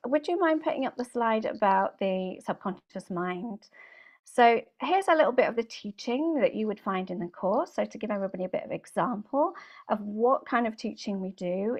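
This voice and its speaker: A woman hosting and teaching an online session in an informal presenting style. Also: fairly high pitch. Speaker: host and therapy trainer.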